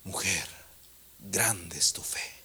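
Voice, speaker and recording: A man doing a low, gentle, half-whispered teacher. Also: slow, a little hiss or hum, heavily acted. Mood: gentle solemn. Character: calm gentle male teacher speaking to a woman.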